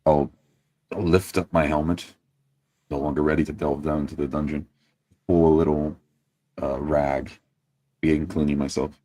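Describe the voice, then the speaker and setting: A man with an extremely low voice plays a tabletop roleplaying game. He moves between formal, courteous character speech and first-person narration. The sound is dry and close. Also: level tone, normal speed, long pauses, warm tone, no echo.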